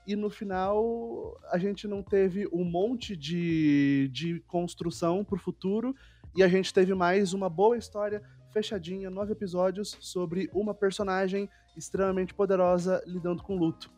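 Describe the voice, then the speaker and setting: A man's voice: high-pitched, fairly even intonation, moderate pace, a little mellow. A Brazilian man in a casual podcast discussion, giving his opinions informally. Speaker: podcast co-host. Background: background music.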